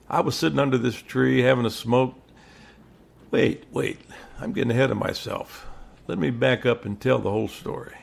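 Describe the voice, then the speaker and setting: An actor playing a friendly, polite captain in an audio drama, plain-spoken and given to reminiscing. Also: male voice, medium pitch, vocal fry, husky.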